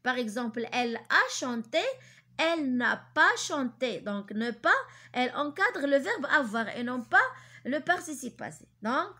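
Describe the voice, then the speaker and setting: A woman teacher giving a grammar lesson to pupils, hesitant with many fillers and restarts, slowly repeating key terms. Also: sits high, animated, sharp tone.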